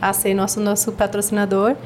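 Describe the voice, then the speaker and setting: A Brazilian woman chatting as a podcast guest, telling stories in a lively way and acting out what people said. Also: medium pitch, quick pace, a little hiss or hum. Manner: animated storyteller, acts out quotes. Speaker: podcast guest, project founder. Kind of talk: casual podcast chat.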